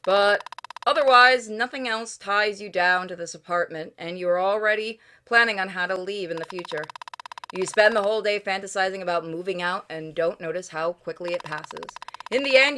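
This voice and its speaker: A woman's voice: mid-range voice, a little fast, bright, forceful tone, slight background noise. A woman gaming streamer reading visual novel text aloud and chatting casually as she plays. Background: game music.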